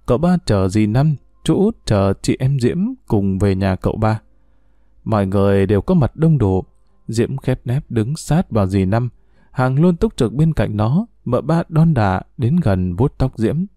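A man reading a story aloud as narrator, voicing the characters with small pitch shifts. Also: expressive, unhurried, mellow, no room sound, clean studio sound.

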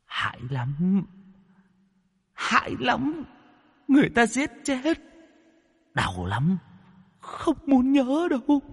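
A man voicing a vengeful ghost possessing a man, in a shrill, wailing, pleading voice. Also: huge pitch swings, slow, pauses often, breathy edge, big-room sound, full character voice. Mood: fearful whimper. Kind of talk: audiobook character voice.

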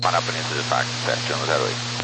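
A man with a Brazilian accent reading back clearances as a pilot, in clipped phrases over aviation radio. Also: rumbling low, racing. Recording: very noisy radio with mains hum.

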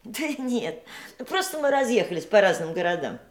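Actress as expressive, wistful mistress. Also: female voice, mid-range voice, normal speed, lightly acted. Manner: reflective, expressive. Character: dignified, candid, wistful mistress of a famous man. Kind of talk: theatrical audio drama acting.

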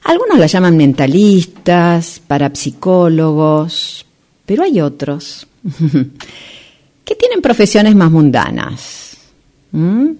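A woman in an amateur radio play acting a smooth-talking, insistent female real estate agent, with theatrical dramatic pauses. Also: fairly low pitch, very animated, warm tone. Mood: mysterious, coaxing.

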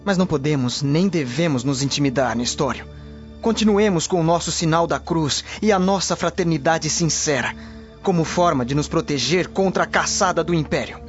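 Man playing high-voiced devout Roman Christian, Brazilian accent. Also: normal speed, close to an everyday voice. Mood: solemn, resolute. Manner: solemn, formal, exhorting. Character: steadfast, devout early Christian man in ancient Rome. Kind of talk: radio drama acting. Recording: dull lo-fi audio under loud music. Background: music.

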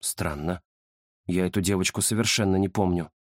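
A man voicing a quiet, puzzled black male cat who speaks softly and thoughtfully in an audiobook. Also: low voice, moderate pace, no room sound, clean studio sound, pitched below the performer's own voice, natural voice. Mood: pensive. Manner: soft, thoughtful, hesitant. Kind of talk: audiobook character voice.

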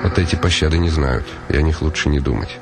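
A weary nobleman muses in a low, dryly ironic voice, thinking aloud to himself. Loud music plays under his radio-play monologue. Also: fast. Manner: brooding, dryly ironic musing.

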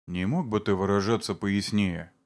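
A man voicing a middle-aged man who calmly, then tearfully, defends himself before his neighbours. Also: on the low side, moderate pace, natural voice. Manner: calm, then pleading and tearful.

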